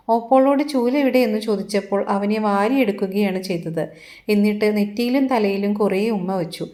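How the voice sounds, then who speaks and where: A woman's voice: medium pitch, a little mellow. Woman narrating a literary story.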